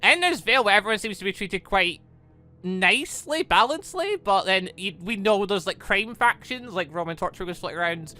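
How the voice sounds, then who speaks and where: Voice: medium pitch, expressive, fairly quick, sharp tone, faint music behind. A gaming channel host giving casual gameplay commentary in a rambling, conversational way, thinking aloud.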